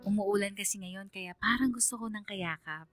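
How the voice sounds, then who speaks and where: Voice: mid-range voice, normal speed, soft background music, lightly acted. An actor playing a young gay male student who narrates his love story to a radio DJ in a playful, confiding way. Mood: hopeful. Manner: chatty, playful, self-flattering. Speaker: letter sender narrating to a radio DJ. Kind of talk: confessional first-person radio drama narration.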